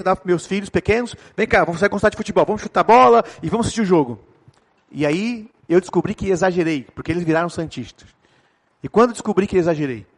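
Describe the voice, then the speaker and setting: A middle-aged man from Brazil with a Brazilian Portuguese accent, preaching a sermon with joking, animated storytelling. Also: sits high. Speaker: pastor.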